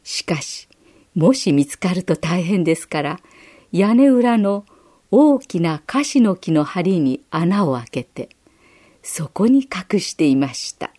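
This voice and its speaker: Slow, expressive woman storyteller. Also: on the low side. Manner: gentle, expressive reading with acted quotes. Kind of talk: scripted children's Bible story narration.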